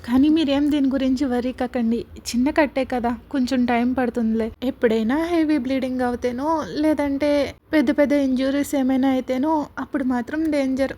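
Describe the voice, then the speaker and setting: A woman's voice: sits high, fairly even intonation, brisk, dark tone. A woman reading a story aloud voices a cheerful, stubborn young woman who speaks lightly and with laughter.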